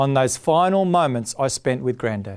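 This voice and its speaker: A man with an Australian accent and lively intonation, on a very clean recording with a silent background. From Australia, western suburbs of Melbourne. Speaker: pastor. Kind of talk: sermon. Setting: church with live audience.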